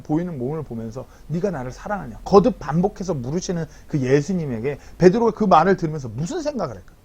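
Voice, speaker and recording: Korean guy preaching in church, fairly high voice, bit husky, acts out the quotes. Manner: animated preaching with acted-out quotes. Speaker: pastor. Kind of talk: sermon. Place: church hall.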